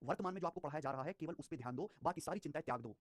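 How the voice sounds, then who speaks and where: A young man runs a live online math class, talking fast and lively, repeating numbers, digits and phrases over and over, and scolding students with life advice. His voice is fairly high, and the studio sound is clean with no room sound.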